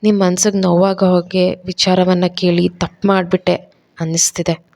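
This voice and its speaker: A woman's voice: fairly low pitch, little pitch movement, normal speed, vocal fry, darkish tone, no echo, studio quality. Woman voicing a kind, eager young woman. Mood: earnest. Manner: eager, rising questions. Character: young woman, kind, earnest and easily shocked.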